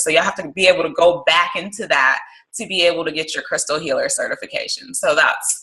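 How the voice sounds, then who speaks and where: A woman's voice: low voice, pushed and bright, rough recording. A woman hosting a crystal course conference call, chatty and encouraging. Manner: chatty, encouraging, uses y'all. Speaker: course host. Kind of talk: casual group conference call. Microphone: phone or computer call.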